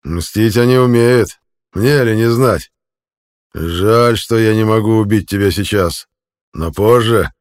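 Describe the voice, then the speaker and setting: A menacing male jailer who drawls his taunts, as a narrator puts him on. The voice is very deep and pushed louder. Every line drips with slow mockery. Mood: taunting. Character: mocking brutal male captor.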